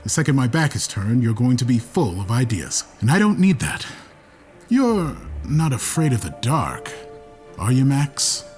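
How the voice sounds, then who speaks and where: A brash male starship captain for a sci-fi audio drama. He commands with wry, playful teasing and swings widely in pitch. Prominent music plays behind him. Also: big pitch swings, unhurried, a little mellow. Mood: dry, firm.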